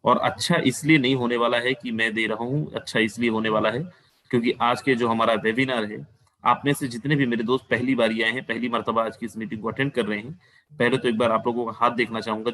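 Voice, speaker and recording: A man's voice: medium pitch, steady tone, brisk, fairly bright tone, no echo, low-quality recording. A man giving a persuasive sales webinar over a video call, repeating his points and mixing in phrases. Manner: persuasive, repetitive, mixes Hindi with English phrases. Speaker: webinar presenter.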